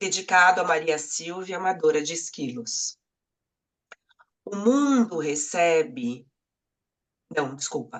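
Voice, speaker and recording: The delivery is very slow, broken by long, frequent pauses, with very wide pitch swings and big swings in loudness. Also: woman, fairly low pitch for a woman. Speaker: poet. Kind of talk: poetry reading.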